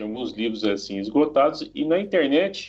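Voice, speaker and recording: Music plays in the background. A man talks at a fairly high pitch. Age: 40s. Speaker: publisher and website founder. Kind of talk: podcast interview.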